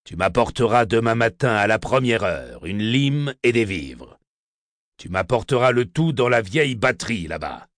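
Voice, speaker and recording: Man doing a rough escaped convict, menacing, slow, low voice. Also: sing-song, no echo, clean studio sound. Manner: slow, threatening, low delivery.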